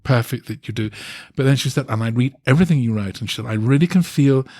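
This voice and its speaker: A man's voice: mid-range voice, quick pace, no echo. Thoughtful man telling stories, dry close mic. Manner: thoughtful, animated storytelling with hesitant restarts. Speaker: guest, dance critic. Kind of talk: relaxed conversational interview.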